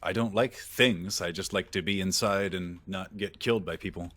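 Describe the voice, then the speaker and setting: Deep-voiced young guy, dry tone. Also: steady tone, normal speed, fairly bright tone, no echo. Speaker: gaming group member. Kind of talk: casual voice chat.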